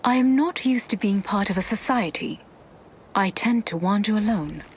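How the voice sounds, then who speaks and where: An actress plays a solitary woman guardian for a video game. Her medium-pitched voice is solemn and formally phrased, with faint ambience behind it. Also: animated, normal speed, slight background noise, lightly acted. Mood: wary, solemn. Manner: plain, uncontracted formal speech.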